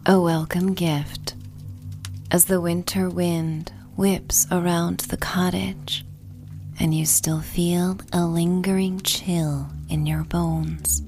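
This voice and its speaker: A woman reads a sleep story at an extremely slow, unhurried pace. Her voice is fairly low and breathy, close to a whisper. She leaves gentle pauses between phrases, with music playing behind her. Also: level tone. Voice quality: soft, breathy, half-whispered. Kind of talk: sleep story narration, scripted and soothing.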